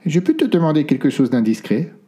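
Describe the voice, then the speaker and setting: A fretful old grandmother guarding a secret, her voice lifted a little higher and thinner than the reader's own, as a man puts her on for a storybook. She talks softly and hesitantly, dodging questions. The tone underneath stays dark and mellow. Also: very animated, brisk. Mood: anxious. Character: worried older grandmother, secretive and evasive.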